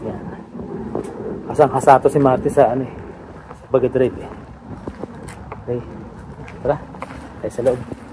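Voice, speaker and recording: A man from the Philippines casually narrating his vlog outdoors beside the family car, relaxed and chatty as he shows things to the camera. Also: medium pitch, a little slow, pauses often, rough recording. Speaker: vlogger. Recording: loud outdoor noise.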